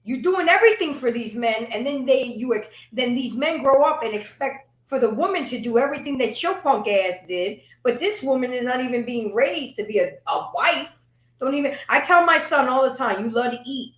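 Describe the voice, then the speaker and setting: A fairly high-voiced woman talking with passion in a casual panel chat, cursing freely and tripping over repeated words as she builds a point. Her voice carries the echo of a bare, roomy space. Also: lively intonation, normal speed. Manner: emphatic, profane, repeats words when worked up.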